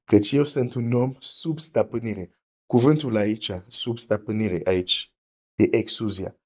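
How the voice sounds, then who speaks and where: A man's voice: fairly low pitch, darkish tone. A man preaching a teaching sermon, explaining carefully, repeating his points and reading scripture aloud.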